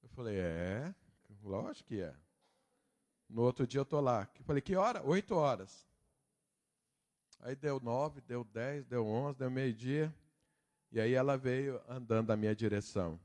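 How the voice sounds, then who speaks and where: A middle-aged man preaching a sermon, telling a personal story and acting out the dialogue before building to loud preaching. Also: mid-range voice, animated, a little slow, pauses often. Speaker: pastor.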